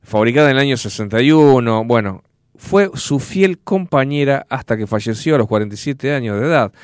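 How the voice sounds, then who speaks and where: A man's voice: medium pitch, lively intonation, a little fast, clear, resonant tone, no echo, studio quality. A man with a Rioplatense Spanish accent, hosting a radio show and telling a story in a chatty way, full of fillers. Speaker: radio host.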